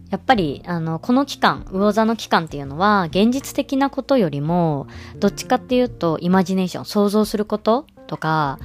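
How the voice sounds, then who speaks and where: A young woman hosting a casual solo podcast, chatting loosely with many fillers and frequent little laughs. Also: fairly low pitch. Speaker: podcast host.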